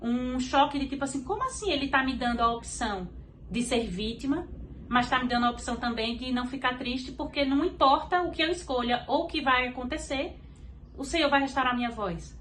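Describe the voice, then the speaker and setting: A Brazilian woman with a Brazilian Portuguese accent appears as a podcast guest, earnestly sharing her faith testimony and acting out what others said to her. Her voice is high, fairly quick and fairly bright, with slight background noise.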